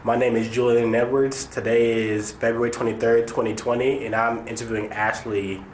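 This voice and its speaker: A man's voice: mid-range voice, flat delivery, normal speed. A young man, a college student, interviewing for an oral history project, casual and a bit hesitant. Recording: echoey room with faint noise.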